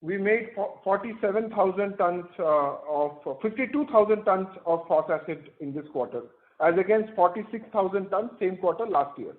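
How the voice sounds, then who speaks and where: A man with an Indian accent answering earnings-call questions as an executive, haltingly working through figures and correcting himself over a phone line. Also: high voice. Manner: halting, self-correcting while citing figures. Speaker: company executive. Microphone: telephone conference line. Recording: muffled, band-limited conference phone call.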